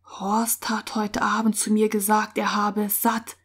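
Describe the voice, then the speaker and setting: A woman voicing a freckled, wide-eyed rascal boy in a Christian story for children, with lively boyish talk. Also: medium pitch, measured pace, husky. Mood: hushed.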